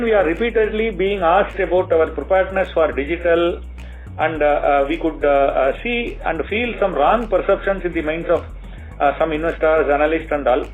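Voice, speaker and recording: A man with an Indian accent giving corporate earnings-call remarks as a bank executive, halting and hesitant, with many filler pauses. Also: fairly high pitch. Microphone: telephone conference line. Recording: tinny phone line, faint music.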